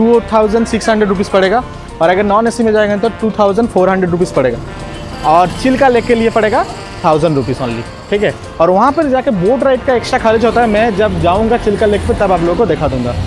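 Clear music plays behind a man with a high pitch who speaks at a moderate pace, the sound dry with no echo. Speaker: travel vlogger. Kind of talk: casual vlog chat. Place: street. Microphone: lapel.

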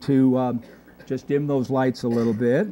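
At a fairly slow pace, a man speaks with a dark, mellow tone. His pitch is medium, with ordinary pitch variation. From New York City (Manhattan); New York City. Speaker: professor. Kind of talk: lecture. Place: hall.

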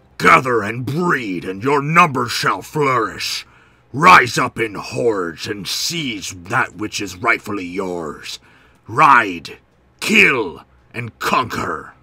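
A man puts on a character voice that is raspy and gruff. He speaks at a very slow pace. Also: medium pitch for a man. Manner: commanding, warlike.

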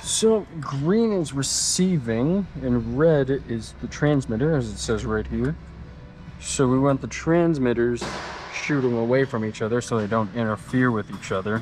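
Slow-ish male speech, faint music playing behind it. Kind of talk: tutorial. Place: garage. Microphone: phone near.

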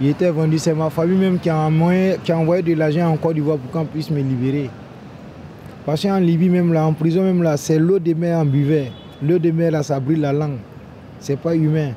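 A man with an Ivorian accent speaks fairly quickly at a fairly high pitch, his intonation fairly even. The sound is dry with no echo, over light background noise. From Ivory Coast. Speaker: homeless man, amputee. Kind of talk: street interview. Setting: outdoors. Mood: somber, recounting hardship. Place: street. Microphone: handheld.

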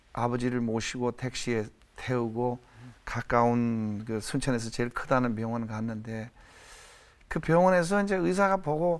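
Lively in intonation, a man speaks at a fairly slow pace and a medium pitch. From Jeolla, Korea. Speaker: surgeon, professor. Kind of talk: interview answer. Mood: somber, recounting father's accident. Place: studio. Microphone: lapel.

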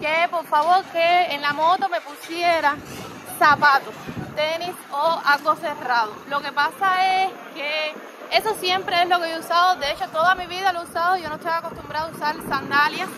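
A raised, projected voice at a moderate pace, fairly even in intonation, dry with no echo, over crowd noise in the background. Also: woman, extremely high pitch for a woman. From Cuba. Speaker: vlogger. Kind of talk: casual vlog talk to camera. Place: motorbike. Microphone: phone near.

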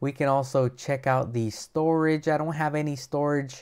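The background stays quiet. A man talks. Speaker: tech reviewer. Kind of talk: tutorial. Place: home room. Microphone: lapel.

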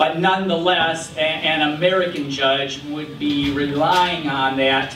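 A man's voice with ordinary pitch variation, music playing in the background. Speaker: law professor presenter. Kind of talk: lecture. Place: hall. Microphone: podium.

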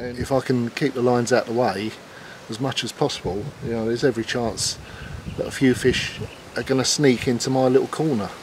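A man at a fairly quick pace, fairly even in intonation, with light background noise. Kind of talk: casual vlog chat. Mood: relaxed, chatty. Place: waterside.

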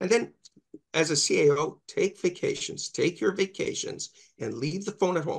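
With a Canadian accent, a man speaks at a moderate pace. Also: quiet background. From Canada. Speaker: municipal chief administrator; guest. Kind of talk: interview. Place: office. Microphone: webcam.

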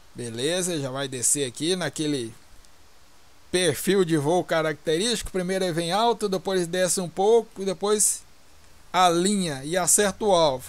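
A man speaks in a Brazilian accent with a relaxed tone and high pitch. His pace is moderate and his pitch variation ordinary. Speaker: gaming video creator. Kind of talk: gameplay commentary. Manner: casual, relaxed.

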